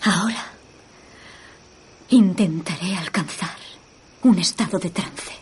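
An actress playing a solemn young spiritualist medium, slowly invoking spirits in a film dub. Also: female voice, fairly low pitch, a little mellow, breathy edge, full character voice. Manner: slow, theatrical séance-medium invocation. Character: solemn, theatrical young woman séance medium. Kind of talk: film dub acting, séance invocation.

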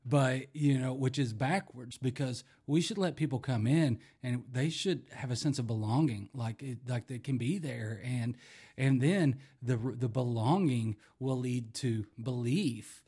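Husky man chatting haltingly. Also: medium pitch, warm tone. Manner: halting, many restarts and laughs. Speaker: podcast co-host and former youth leader. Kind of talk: casual chat.

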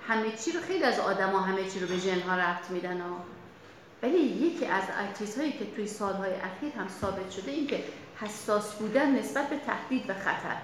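A woman psychologist leading a workshop, explaining in a lively, chatty way to the audience. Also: mid-range voice, noisy background. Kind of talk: workshop lecture. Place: workshop room. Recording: very echoey room.

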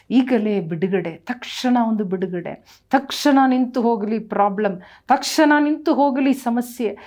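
A woman's voice: medium pitch, dark tone. A woman preaching and praying with fervour, repeating phrases and calling out hallelujah as her exhortation rises. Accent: Kannada. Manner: repetitive, rising exhortation with frequent hallelujahs. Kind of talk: fervent sermon and prayer.

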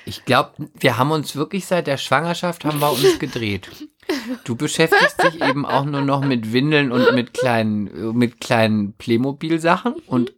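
A woman's voice: extremely low pitch, big pitch swings, moderate pace, hardly any pauses, a crowd in the background. A woman co-hosting a podcast in casual chat, with dry, teasing banter. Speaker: podcast co-host.

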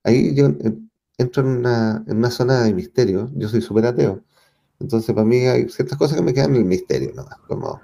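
Chilean guy being interviewed, thinks out loud, lots of restarts, dark gravelly voice. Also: medium pitch, expressive, fairly quick. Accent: Chilean Spanish. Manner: thoughtful, searching for words, frequent restarts and fillers. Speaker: interview guest. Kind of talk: reflective conversational interview.

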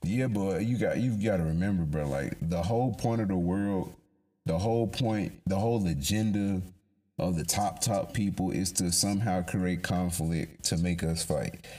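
Low-voiced young African American man, slangy and informal. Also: moderate pace, mellow. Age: young adult. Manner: slangy, informal, swears freely. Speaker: podcast host. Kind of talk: casual podcast chat.

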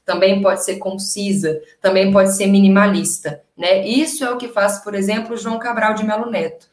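A woman's voice: medium pitch, steady tone, moderate pace. A Brazilian woman with a Brazilian Portuguese accent teaching a literature class in a chatty, enthusiastic way, often asking rhetorical questions. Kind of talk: casual online class lecture. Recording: echoey room.

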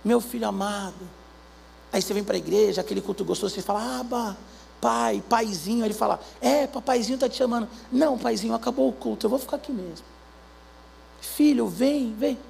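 A Brazilian pastor preaching a sermon, acting out little dialogues between God and believers in an animated way. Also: male voice, very high-pitched, fairly quick, gravelly, slight background noise. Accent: Brazilian Portuguese.

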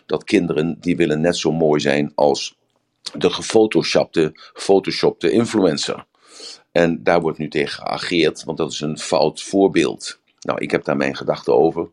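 Older male group leader, voice extremely low, rambling and anecdotal delivery. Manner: rambling, searching for words, with anecdotes. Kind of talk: casual talk.

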